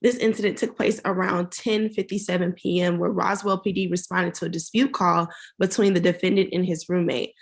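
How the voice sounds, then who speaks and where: A woman prosecutor argues formally before the court over a video call. Her voice sits fairly low. She spells out names and addresses letter by letter as she presents. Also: flat delivery, a little fast, gravelly, few pauses.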